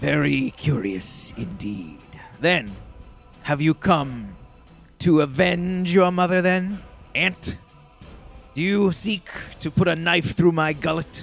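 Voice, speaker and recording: Over clear music in the background, a man uses a put-on character voice with a menacing tone, fairly high in pitch and fairly slow, broken by long, frequent pauses. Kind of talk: fantasy villain voice acting. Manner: mocking, menacing, domineering.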